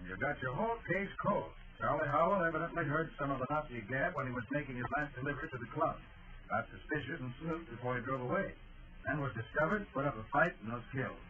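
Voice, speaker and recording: An actor with an American accent playing a tough, quick-witted private detective in a 1940s radio crime drama, speaking in clipped commands. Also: male voice, medium pitch, a crowd in the background, natural voice. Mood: calm, explanatory. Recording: muffled old 1940s radio recording.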